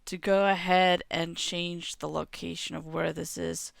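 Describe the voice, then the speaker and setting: A woman's voice: lowish voice, unhurried, no room sound. A woman in her thirties with a cough, hosting a game tutorial and explaining settings step by step into a headset mic from home. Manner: steady step-by-step explaining, clears throat now and then. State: has a cough. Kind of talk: screen-recorded game tutorial. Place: home room.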